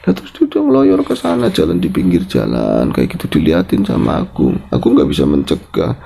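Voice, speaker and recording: Gravelly man telling a horror story. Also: fairly quick. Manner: animated, mixes in Javanese, acts out quotes with sharp pitch jumps. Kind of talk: casual storytelling retelling a guest's experience.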